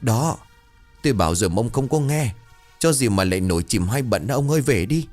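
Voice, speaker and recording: A man's voice: expressive, fairly quick, faint music behind, lightly acted. A man putting on a terrified old village wife. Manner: shrill, begging, panicky.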